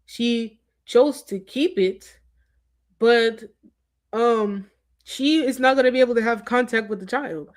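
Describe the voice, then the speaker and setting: A woman's voice: fairly high pitch, takes it slowly. Rambling woman chatting to her stream. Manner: rambling, conversational, with restarts and asides. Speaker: livestream host. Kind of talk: casual commentary to viewers.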